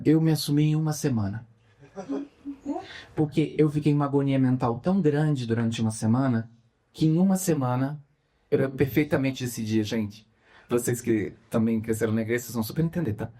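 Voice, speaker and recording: A man's voice: mid-range voice, brisk, dark tone. A young man from Brazil telling his coming-out story in an interview, speaking animatedly and acting out the dialogue he quotes.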